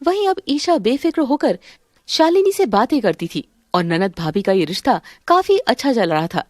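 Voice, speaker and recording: Narrating a Hindi family drama, a woman with a fairly high voice and moderate pace dramatically voices several female characters. She switches back and forth between calm narration and quarrelsome tones, in studio-quality audio without echo.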